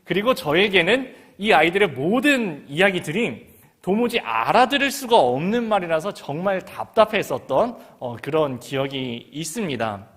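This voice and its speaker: A middle-aged man from Gangwon Province leads a sermon with a voice that sits somewhat high for a man. He reads the scripture, then shifts into an easy, conversational tone, asking his listeners questions as he talks. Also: very animated, normal speed, fairly bright tone, slightly rough. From Gangwon Province, South Korea. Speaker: pastor.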